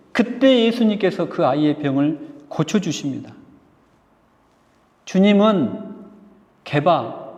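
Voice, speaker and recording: A man's voice: a little high, a little mellow. A junior pastor, a man, preaching a sermon in a church and earnestly addressing the congregation. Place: church sanctuary. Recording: reverberant hall, slightly dull sound.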